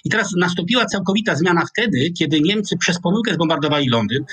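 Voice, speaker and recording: A man in his sixties with a Polish accent, a military analyst explaining at a measured pace over a video call from a small home office. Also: fairly high pitch, lively intonation, fairly bright tone, husky, dry recording. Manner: measured, explanatory, restarts mid-word. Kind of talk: analytical interview commentary. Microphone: video call webcam.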